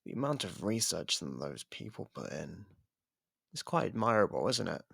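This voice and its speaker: A man playing an imprisoned serial killer in an ASMR audio drama, smug, taunting and flirtatious, with a husky, gravelly voice and a sarcastic drawl. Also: low voice, sing-song, moderate pace, a bit bright, dry recording, clean studio sound, full character voice. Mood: scornful, mocking. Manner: drawling, sarcastic, teasing delivery.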